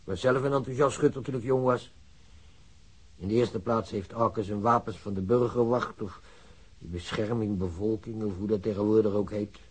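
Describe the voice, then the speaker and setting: A man's voice: on the low side, moderate pace, husky, poor audio. An actor playing an old working-class father, plain-spoken, weary and loyal to his son, in a naturalistic radio drama. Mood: cooperative, slightly proud. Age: older.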